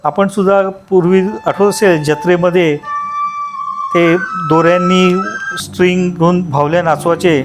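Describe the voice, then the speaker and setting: A man narrates a travel vlog in an explanatory way, pausing and restarting mid-sentence. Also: high-pitched, steady tone. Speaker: travel vlogger. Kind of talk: unscripted vlog voice-over narration. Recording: loud instrumental music behind voice. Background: loud music with instruments.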